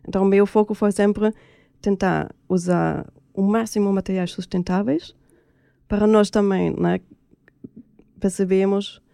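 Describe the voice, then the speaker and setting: This woman has a medium pitch, a dark, mellow tone and a German accent, with fairly even intonation. The recording is very clean, with a silent background. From Germany/Austria. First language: German (speaking Portuguese). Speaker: recycling project organizer, product designer. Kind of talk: radio interview. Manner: halting.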